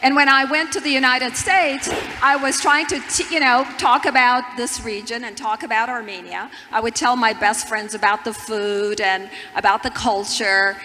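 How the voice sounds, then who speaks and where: A woman's voice: on the high side, steady tone, normal speed, bright, forceful tone. A woman from Turkey moderating an onstage conference chat, eager and prodding, stumbling over restarts. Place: large conference hall stage. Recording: reverberant hall with audience noise.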